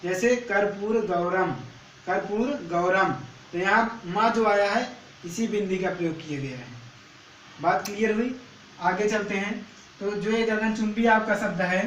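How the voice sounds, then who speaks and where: A man's voice: sits high, fairly bright tone. A male teacher giving a Braille lesson. He asks the pupils each question and then repeats the question and its answer. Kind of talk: classroom lesson. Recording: echoey room, mic at a distance, faint hiss.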